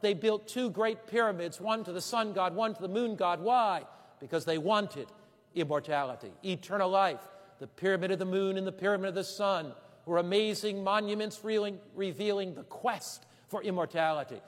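A man preaching a sermon, dramatic, slowing for emphasis and repeating phrases. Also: high voice, long reverb tail.

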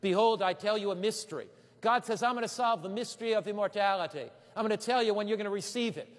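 A man preaching a sermon, dramatic, slowing for emphasis and repeating phrases. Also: sits high, big-room sound.

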